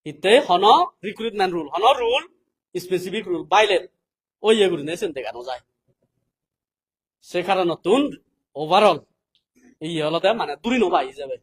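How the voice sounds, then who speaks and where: Male political speaker, South Asian accent, notably high-pitched, delivering a deliberate, explanatory public address. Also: breathy edge. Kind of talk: public address, reading English passages and explaining them.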